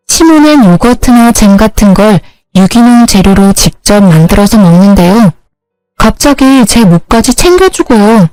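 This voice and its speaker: A woman narrating her own story in a plain, even recounting style. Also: mid-range voice, no room sound.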